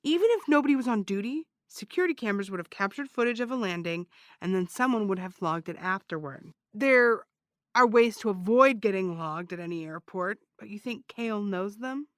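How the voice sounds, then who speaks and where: A woman's voice: medium pitch, expressive, fairly quick, a bit bright, dry recording, studio quality, close to an everyday voice. A woman playing a wry, theatrical podcast host who investigates a crime in an audio drama. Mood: eager.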